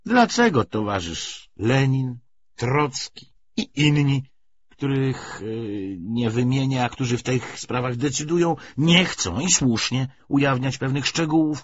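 A man voicing a sly, pompous Bolshevik official giving a speech in an audiobook, with deliberate pauses and rhetorical swells. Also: mid-range voice, big pitch swings, lo-fi sound, a little hiss or hum. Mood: measured, sly.

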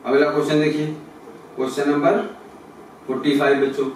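A man's voice: fairly high pitch, little pitch movement, fairly quick, a little mellow. A man teaching physics, working through exam questions and asking and answering his own questions. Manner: addresses students as kids, asks and answers his own questions. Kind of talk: explaining exam solutions. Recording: echoey room, mic far off, noisy.

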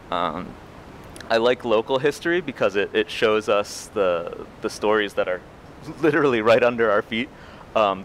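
A man in his thirties with a loud voice, giving a chatty history talk at a library with lots of ums. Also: fairly low pitch, a little hiss or hum. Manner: chatty, many fillers, laughs at himself. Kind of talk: public lecture. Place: library meeting room. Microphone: lectern mic.

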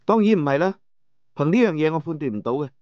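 A man narrating a first-person audiobook novel in a measured storytelling manner, over soft background music. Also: a little high, lively intonation, smooth, dry recording, lo-fi sound. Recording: dry studio with soft music.

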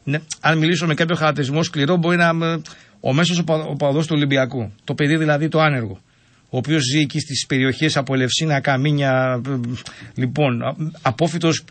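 A man with a somewhat high, husky voice holds forth on a radio sports show. He talks in a measured, analytical way with a wry edge. The sound is a radio broadcast. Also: steady tone, a bit bright.

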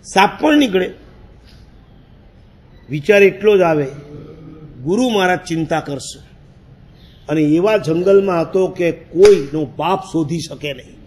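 A high-pitched man tells a story from the pulpit in lively sermon fashion. He acts out what he once said to himself, letting his voice rise and fall with the telling, and chuckles along the way. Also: unhurried, pauses often, slight background noise. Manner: animated storyteller, acts out his own past words, laughs. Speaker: Jain monk.

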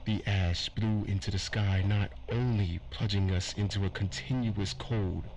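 An actor playing a weary, earnest survivor recording a grave, halting log in a post-apocalyptic audio drama. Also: male voice, on the low side, fairly even intonation, a little mellow. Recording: noisy ambience behind the voice.

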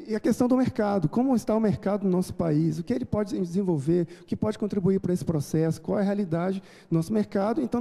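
Brazilian male speaker, 30s, dark mellow tone, halting conference talk on a handheld mic. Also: sits high, vocal fry. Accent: Brazilian Portuguese. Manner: measured, many hesitations and restarts. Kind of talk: formal conference lecture. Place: large auditorium, indoors. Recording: auditorium reverb.

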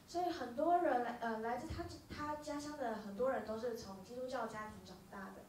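A woman interpreting live from a stage, speaking quickly with short filler hesitations. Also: on the high side, darkish tone, slight background noise. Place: small dark music venue. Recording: roomy venue, from far off.

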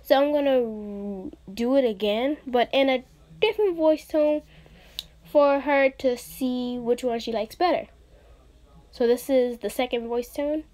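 A young woman with a high voice speaks at a slow pace. She addresses her viewers casually, in the manner of an amateur voice actor making a video. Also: warm tone. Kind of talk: casual vlog intro and outro.

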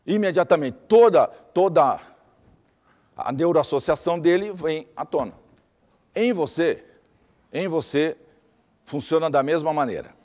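A man's voice: on the high side, lively intonation, unhurried, pauses often, darkish tone, long reverb tail. A man giving a teaching lecture, explaining step by step with lists and repeated examples.

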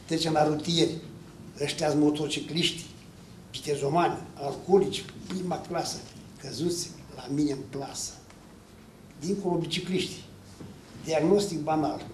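A guttural, sly otherworldly guide, as a man puts him on, who rattles off short, clipped lists as if giving a tour. The voice sits a little high and rings out from a distance in a roomy hall. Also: fairly even intonation, long pauses, slight background noise, close to an everyday voice. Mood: matter-of-fact. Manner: clipped, matter-of-fact tour-guide listing. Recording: echoey hall from far off.

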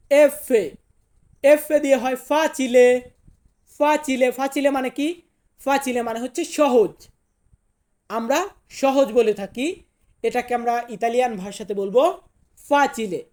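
A man's voice: extremely high pitch, a little mellow. Man drilling letters, repeating each word. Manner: repeats each word, asks and answers own questions. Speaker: language teacher. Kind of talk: Italian alphabet lesson in Bengali.

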